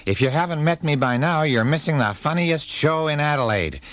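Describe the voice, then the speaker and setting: An actor voicing an obnoxious nerd in a comic radio advertisement. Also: male voice, on the high side, lively intonation, a little fast, natural voice. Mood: smug, cheeky. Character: obnoxious male nerd comedy character. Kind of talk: radio ad for a comedy show.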